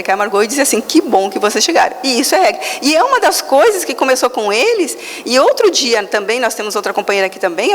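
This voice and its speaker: A woman speaks at a Spiritist gathering, her fairly high voice rising and falling with lively swings as she acts out little scenes. The talk rings out with a long reverb, as in a large hall. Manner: animated storytelling with lively quoted asides.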